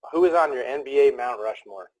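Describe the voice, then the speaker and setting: A man's voice: medium pitch, expressive, brisk, darkish tone, no echo, low-quality recording. A man hosting a casual interview podcast, talking in an upbeat, chatty, joking way. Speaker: podcast host.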